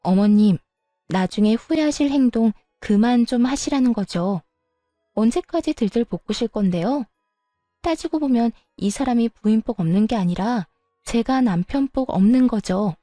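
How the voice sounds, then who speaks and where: A fed-up young wife answers back, firm and exasperated, as a woman reads her in a storybook. Her voice is mellow and the sound close and dry. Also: a little high, animated, normal speed, dry recording, faint music behind, lightly acted.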